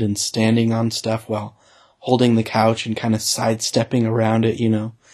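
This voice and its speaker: A man at a medium pitch and moderate pace against a quiet background. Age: 20s. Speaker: podcaster and former foster parent. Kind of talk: casual monologue. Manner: hesitant, many fillers.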